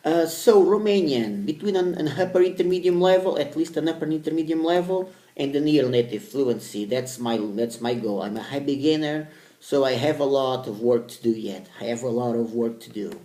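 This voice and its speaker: A vlogger whose native language is Portuguese talks casually to camera in English, hesitating and repeating himself. His mid-range voice is mellow and his speed normal, and the room sounds echoey.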